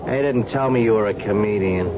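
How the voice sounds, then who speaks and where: An actor playing a resentful, talkative small-time hood in an old radio crime drama, slangy and grumbling. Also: male voice, lowish voice, a little fast, natural voice. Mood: needling, impatient. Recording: muffled, noisy old radio drama recording.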